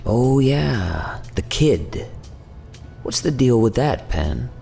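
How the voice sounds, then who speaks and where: A man's voice: mid-range voice, very animated, slow, gravelly, dark tone, soft background music, exaggerated voice. A man playing a flippant, sardonic envoy of an otherworldly faerie court in an audio drama, with a casual, taunting drawl. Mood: mocking, casual.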